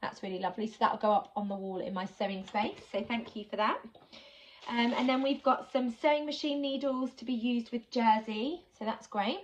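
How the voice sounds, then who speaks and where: A woman's voice: a little high, moderate pace, slight background noise, poor audio. A woman, chatting casually and enthusiastically as she unboxes sewing supplies for her channel, with a slight cold and lots of ums. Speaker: sewing vlogger.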